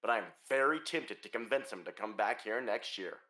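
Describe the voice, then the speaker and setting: A man's voice: fairly low pitch, expressive, fairly quick, pushed and bright. A man playing an easygoing, matter-of-fact gay grim reaper on vacation in an audio drama.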